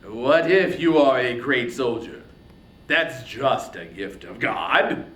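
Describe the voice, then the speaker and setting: A man's voice: medium pitch, sing-song, slow pace, a bit bright. A man voicing an arrogant, domineering warrior king with haughty, scornful declamation, as in an epic tale. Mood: scornful, threatening. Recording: roomy echo, faint background noise.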